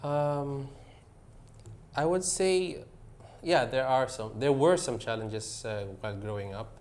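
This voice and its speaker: A man's voice: mid-range voice, takes it slowly, darkish tone. A middle-aged man from the United Arab Emirates, a guest answering interview questions in a hesitant way with many fillers, moving between English and Tagalog. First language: Arabic.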